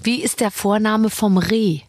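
A woman's voice: medium pitch, measured pace, dry recording. A middle-aged woman hosting a podcast in casual chat, playful and giggly, going sing-song when she reads aloud. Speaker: podcast host.

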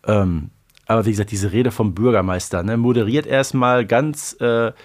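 A man co-hosting a podcast, discussing an audio drama episode in a lively, enthusiastic way. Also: fairly low pitch, moderate pace. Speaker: podcast co-host. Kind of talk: casual chat about an audio drama episode.

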